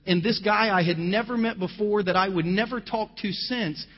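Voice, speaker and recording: A man's voice: sits high, moderate pace. A man from Ohio preaching a sermon as pastor, mixing scripture reading with conversational personal stories. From Ohio, USA. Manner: conversational storytelling with scripture quotes. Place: church. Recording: dull lo-fi sound with long hall reverb.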